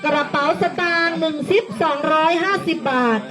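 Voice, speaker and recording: A woman's voice: high voice, fairly even intonation, moderate pace, rough recording. A woman hosting a live fashion show as a seller, hyping the items and repeating prices and praise. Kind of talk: live fashion show commentary selling products. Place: busy live community event. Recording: loud music and crowd, event PA.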